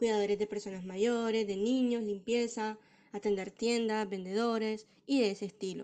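At a moderate pace, a woman with a fairly high pitch talks in a dark, mellow tone with fairly even intonation. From Caribbean Colombia, Barranquilla. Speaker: podcast guest. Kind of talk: conversational interview.

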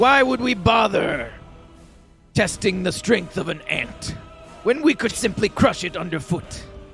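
A man's put-on character voice, high in pitch, at a moderate pace with faint music in the background. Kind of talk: fantasy villain voice acting. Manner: mocking, menacing, domineering.

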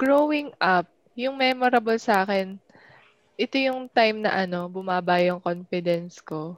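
A woman speaks in a normal speaking voice at medium pitch. Her pace is fairly slow and her intonation lively. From Quezon City, Philippines. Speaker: podcast co-host. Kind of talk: casual chat.

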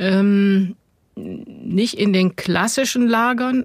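A dry, close sound with no echo and ordinary pitch variation. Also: woman. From Ruhr area, Germany (Essen). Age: 60s. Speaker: politician and educator. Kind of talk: interview. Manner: hesitant, many fillers.

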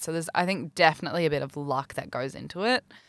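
This woman talks at a very fast pace with an Australian accent. The recording is very clean, with a silent background. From New South Wales, Australia. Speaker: musician. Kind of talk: casual chat. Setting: studio.

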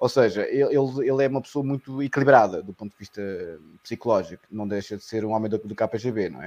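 A man with a European Portuguese accent talks fairly quickly at a medium pitch, with ordinary pitch variation. His loudness swings widely, and the sound is dry and close with no echo. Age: 40s. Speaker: professor and political commentator. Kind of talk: casual chat.

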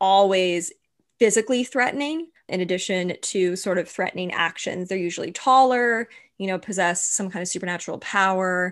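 A woman with an American accent speaks in a normal speaking voice at medium pitch and a moderate pace, with ordinary pitch variation, in a very clean recording with a silent background. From Vermont, US. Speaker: folklore scholar and web series host. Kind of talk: podcast interview.

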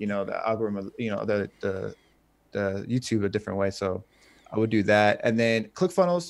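An unremarkable speaking voice from a man, fairly low in pitch, at a fairly quick pace with ordinary pitch variation, on a very clean recording with a silent background. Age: 20s. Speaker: music producer and YouTuber. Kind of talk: casual chat.

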